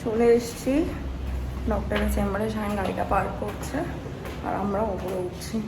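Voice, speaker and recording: A woman's voice: mid-range voice, steady tone, moderate pace. A young woman, chatting casually into her phone for her vlog and slipping English words into her talk. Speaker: vlogger and new mother. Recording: loud vehicle and street noise.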